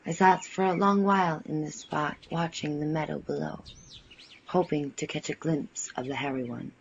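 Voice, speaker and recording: An actor in an audio drama playing a solitary, wondering watcher in the wild, speaking in short, suspenseful, halting phrases. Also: mid-range voice, steady tone, close to an everyday voice. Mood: hushed watchfulness. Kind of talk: audio drama first-person narration. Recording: muffled, with faint outdoor noise. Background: birdsong.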